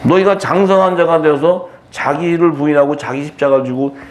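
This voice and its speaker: A man's voice: fairly high pitch, normal speed. Guy preaching casually, super chatty, room echo all over it. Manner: chatty, animated, acts out quotes in a raised voice. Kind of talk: conversational sermon seminar.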